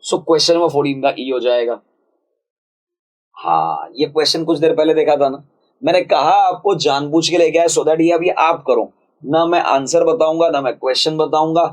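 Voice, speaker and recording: Male tutor, exam-prep grammar lesson, chatty and informal, voice sits a bit high. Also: low-quality recording. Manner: casual, chatty, calls viewers friends and brother; reads English sentences out slowly, then explains quickly. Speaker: English grammar teacher.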